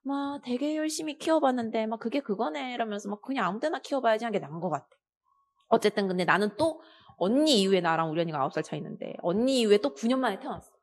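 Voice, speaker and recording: Lively woman lecturer with a Busan accent. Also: a little high, quick pace. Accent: Busan Gyeongsang. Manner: lively storytelling, acts out quoted lines. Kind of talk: casual lecture with personal stories.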